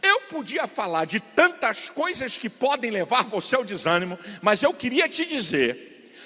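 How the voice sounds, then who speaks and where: A middle-aged man preaching a fiery sermon in a large church, his high voice leaping up and down in pitch. He shouts the peaks, drops to quiet asides, and stretches out words for weight. His sound rings with a long hall reverb. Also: sing-song, a little slow. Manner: emphatic preaching, swings from shouts to low asides; draws out words for emphasis. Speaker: pastor.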